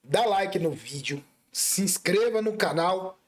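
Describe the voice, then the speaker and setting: A man's voice: high voice, animated, slow. A man hosting a casual online interview. He talks in a chatty, joking way, with frequent restarts and asides to his audience. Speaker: radio host, interviewer.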